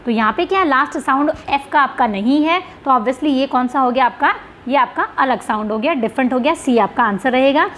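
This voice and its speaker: This female teacher's voice is high and a bit bright, with some background noise. Walking her class through English sounds for an exam, she reads questions at a slow pace, checks on her students, and asks rhetorical questions along the way.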